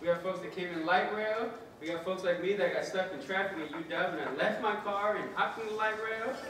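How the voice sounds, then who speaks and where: A man's high voice at a fairly quick pace, with noticeable background noise and audible room echo. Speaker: event host and injury prevention researcher. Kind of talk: event hosting. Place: hall.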